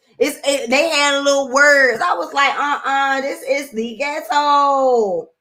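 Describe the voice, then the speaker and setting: A woman with a high pitch and a bright, sharp tone uses a raised, projected voice with ordinary pitch variation. She speaks at a very slow pace with hardly any pauses. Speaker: YouTube live show host. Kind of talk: casual livestream chat. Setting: live video stream. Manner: animated.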